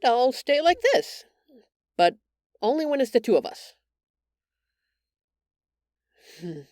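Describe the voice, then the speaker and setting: A woman playing a gentle, shy female alien who stammers earnestly and apologetically in an intimate audio roleplay. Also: deep voice, smooth, no echo, clean studio sound. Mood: hesitant, tender.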